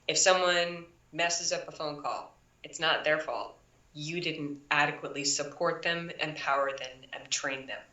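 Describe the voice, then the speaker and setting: A woman's voice: low voice, measured pace, pushed and bright, muffled recording. Woman chiropractor, echoey distant call audio. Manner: emphatic, coaching tone with acted-out quotes. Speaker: chiropractor guest. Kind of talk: live online interview.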